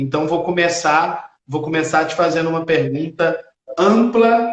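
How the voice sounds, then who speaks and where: In a Goiás accent, a man with a high voice speaks at a fairly slow pace, with ordinary pitch variation. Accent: Goiás accent, drawling. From Goiás, Brazil. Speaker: labor lawyer. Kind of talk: live webinar discussion. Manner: drawling.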